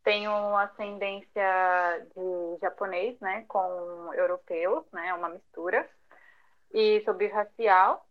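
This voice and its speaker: A woman's voice: mid-range voice, steady tone, slow pace, highs cut off. Chatty young woman. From São Paulo, Brazil. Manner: chatty, many fillers, light laughs. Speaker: podcast guest. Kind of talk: conversational interview.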